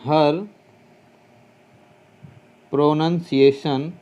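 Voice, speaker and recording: A man teaching English translation to students, slowly dictating English phrases and spelling words out letter by letter, sometimes correcting himself as he thinks aloud. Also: fairly high pitch, steady tone, warm tone, highs cut off. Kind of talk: translation lesson explaining Hindi sentences.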